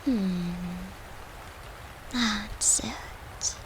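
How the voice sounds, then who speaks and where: A woman's voice: mid-range voice, drawn-out words, background noise. A woman playing a devoted, playful and protective human girlfriend in an intimate comfort audio roleplay, speaking in a tender, soothing, coaxing way. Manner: tender, soothing, coaxing, slipping into breathy murmurs.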